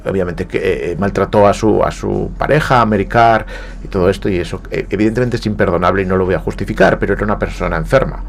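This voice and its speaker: With a low, creaky voice and a quick pace, a Galician man with a Spanish accent speaks as a guest writer in a radio studio. He sounds reflective, hesitating and repeating words often, and there's a little hiss or hum.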